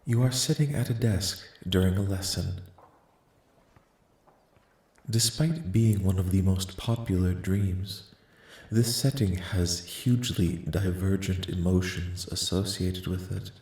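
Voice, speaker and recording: Man acting as curious alien researcher, soft-spoken, lowish pitch, formal, detached, measured, ASMR roleplay, roomy echo. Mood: calm, curious. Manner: formal, clinical, measured questioning. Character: curious, polite, detached alien researcher studying human dreams. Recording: echoing voice with faint rumbling noise.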